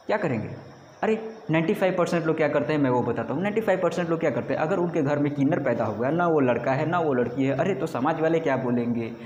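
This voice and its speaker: A man's voice: on the high side, darkish tone, muffled recording, slight background noise. A man in his twenties telling a story to camera in an emphatic, motivational way, asking questions and answering them himself, repeating phrases for effect. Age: 20s. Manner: rhetorical, asks and answers his own questions; emphatic repetition, drawn-out phrases. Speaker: YouTube creator. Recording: echoey room with long reverb.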